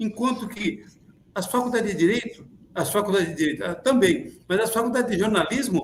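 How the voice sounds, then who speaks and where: In an animated tone, a man talks with ordinary pitch variation. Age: 70s. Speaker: journalist. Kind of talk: online panel discussion. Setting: livestream.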